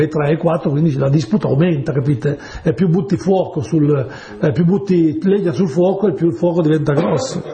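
Warm-toned preacher, man, chatty sermon. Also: fairly high pitch, reverberant. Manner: chatty, asks the audience "capite?". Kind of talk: sermon with told stories.

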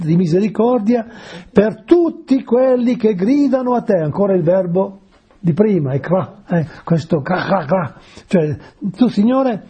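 A man delivers a conversational sermon in a deeply husky voice that sits fairly high yet sounds very dark and mellow. He explains words patiently and keeps checking in with his listeners through rhetorical questions. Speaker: preacher.

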